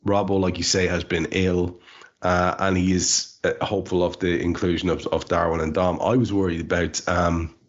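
A man's voice: low-pitched, level tone, moderate pace. A man hosting a casual podcast chat who leads the discussion and puts questions to his co-hosts. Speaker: podcast host. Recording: dull lo-fi podcast audio.

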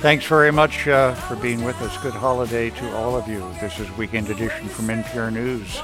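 A man's voice: medium pitch, steady tone, fairly quick, loud music behind the voice. A man hosting a radio interview, asking curious, friendly questions. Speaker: radio host.

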